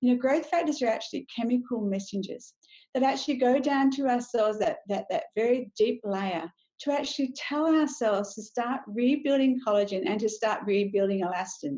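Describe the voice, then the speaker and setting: With an Australian accent, the speaker talks at a moderate pace with lively intonation. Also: woman, high pitch for a woman. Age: 60s. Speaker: business presenter. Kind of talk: sales pitch. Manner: animated.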